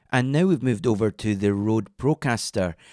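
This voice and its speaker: A man speaks in a normal speaking voice, fairly low in pitch, at a moderate pace with ordinary pitch variation. The sound is dry with no echo, over a quiet background. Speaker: microphone reviewer. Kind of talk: tutorial. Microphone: studio mic.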